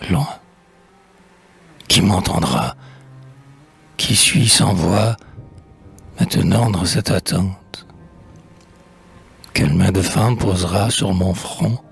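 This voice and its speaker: A low-voiced man gives a solemn, dramatic poetry reading. His voice is very husky and breathy, falling at times toward a whisper. He takes his time over each phrase, with faint music behind him. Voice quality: husky, gravelly. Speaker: poet reading poems aloud.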